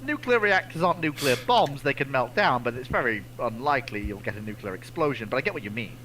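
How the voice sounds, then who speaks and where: A man talks casually as a co-host in a live discussion. His mid-pitched voice moves animatedly up and down, and there is noticeable noise and ambience behind him. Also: animated, fast, bright, forceful tone, rough recording.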